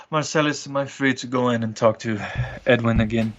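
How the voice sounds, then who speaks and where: Male player as formal, courteous foreigner for role-play; mid-pitched, stiff phrasing, mildly muffled. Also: fairly even intonation, normal speed, close to an everyday voice. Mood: weary, apologetic. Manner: formal, avoids contractions.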